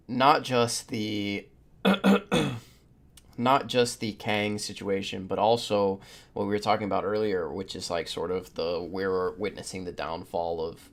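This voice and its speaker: Low-voiced man hosting a podcast. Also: vocal fry, a bit bright. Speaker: podcast host. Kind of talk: casual panel discussion of superhero films.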